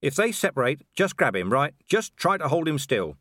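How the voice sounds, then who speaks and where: A man doing a harried gruff watch commander. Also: on the high side, big pitch swings, normal speed, fairly bright tone, no room sound, clean studio sound, voice pushed up. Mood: urgent.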